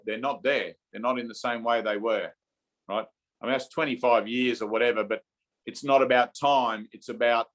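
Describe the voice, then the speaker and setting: Over a video call, a man with a mid-range, fairly bright voice gives an informal spiritual teaching, often asking his listeners "okay?" or "right?".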